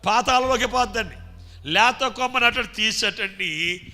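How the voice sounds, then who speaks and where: Bright high-voiced man preaching a sermon. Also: unhurried. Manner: call-and-response preaching, shouting hallelujahs. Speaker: pastor.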